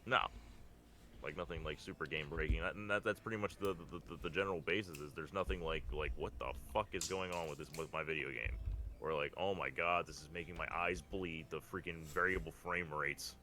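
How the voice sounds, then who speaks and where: A man with a very deep voice and a forceful, bright edge. He talks casually about games as a podcast co-host, blunt and quick to swear. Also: slight background noise. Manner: blunt, sweary, animated phrasing. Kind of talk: casual video game discussion.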